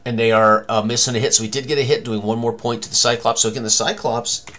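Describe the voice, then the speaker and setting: This tabletop game tutorial comes from an older man at a computer in a small indoor room, who talks fast in a steady, mid-range, slightly bright voice. He thinks aloud, offering short running commentary on the rolls and tallies.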